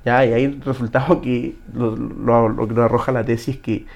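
Hombre chileno de unos treinta años, invitado que cuenta su historia con emoción, tono medio. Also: male voice, medium pitch, flat delivery, normal speed, vocal fry, a little mellow, highs cut off. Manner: emotional storytelling, frequent restarts. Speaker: guest. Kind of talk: casual interview, personal story.

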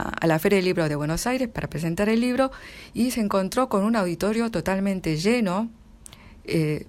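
A middle-aged woman with an Argentine Spanish accent, chatting as an interview guest, with many restarts and frequent laughter. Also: lowish voice. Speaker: literary translator, guest. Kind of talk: casual interview answers.

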